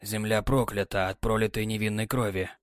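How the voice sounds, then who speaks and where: Brief: gruff, sighing old sea captain, read by a male narrator, low and quiet. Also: fairly even intonation, fairly quick, no echo, studio quality, lightly acted. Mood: weary. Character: weary, gruff older sea captain, tender husband. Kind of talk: audiobook character voice.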